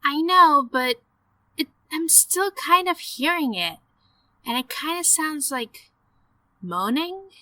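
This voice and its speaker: A woman playing a soft-hearted, stubborn young woman in an audio drama, earnest and emotional, pleading her case. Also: sits high, animated, slow pace, heavily acted. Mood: alarmed.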